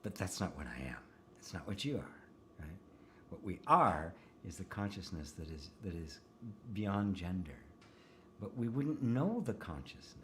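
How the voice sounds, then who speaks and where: A man's voice: low voice, sing-song, moderate pace, a bit bright, slight background noise. A man teaching spirituality in a loose, laughing way, checking in with "right?" and reading out viewer comments from a seated livestream. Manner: laughs often, many restarts and "right?" tags. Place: seated indoors.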